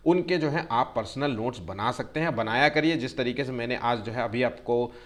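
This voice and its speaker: A man teaching a Hindi grammar exam-prep lesson, constantly using fillers, checking in with his students and drawing words out slowly to spell them. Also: mid-range voice, a bit bright. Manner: tells students to take care and keeps checking "theek hai".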